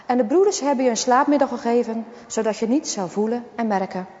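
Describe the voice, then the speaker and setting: A woman voicing a kind, gentle hospital nurse who talks soothingly to a patient. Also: fairly high pitch, fast, natural voice. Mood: reassuring. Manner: soothing, reassuring. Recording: dull, echoey recording.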